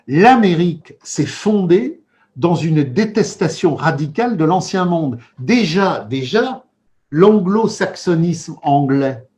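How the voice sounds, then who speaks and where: Male commentator, fairly high voice with wide swings, emphatic repetitive rhetoric, heated political monologue. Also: darkish tone. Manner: emphatic, rhetorical repetitions, dense theoretical vocabulary.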